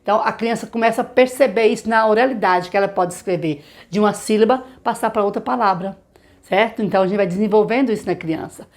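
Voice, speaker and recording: A woman with a Brazilian Portuguese accent, a literacy teacher explaining methods to other teachers, asking rhetorical questions and slowly sounding out example words. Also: medium pitch, darkish tone. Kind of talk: teacher training lesson.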